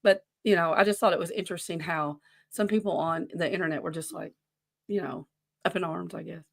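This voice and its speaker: A woman's voice: fairly low pitch, fairly even intonation, a little fast, vocal fry. Rambling woman in her forties chatting casually. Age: 40s. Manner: rambling, easily sidetracked. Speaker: podcast co-host running a wrestling quiz. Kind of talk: casual chat.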